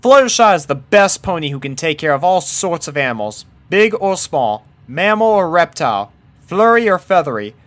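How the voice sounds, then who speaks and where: A man voicing a steady, no-nonsense farm mare in a pony story, frank and folksy in a country drawl. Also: fairly high pitch, normal speed, voice pushed up. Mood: stern.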